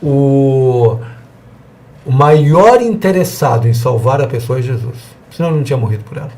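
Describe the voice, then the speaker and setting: In an animated, mellow, medium-pitched voice at normal speed, a man teaches evangelism in a church seminar lesson. He keeps things conversational and acts out little exchanges with the people he talks to.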